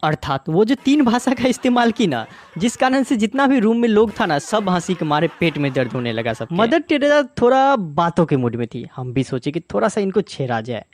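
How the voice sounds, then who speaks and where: Expressive Bihari storyteller man. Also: high-pitched, brisk, hardly any pauses. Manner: expressive, repeats phrases for emphasis. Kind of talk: animated bedtime story narration.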